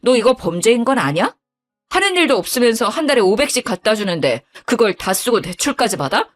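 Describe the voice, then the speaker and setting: A woman voicing an angry young husband who scolds his lying wife in a lower, bitter voice in a dramatized story. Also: sing-song, brisk. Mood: bitter scolding. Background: faint background music.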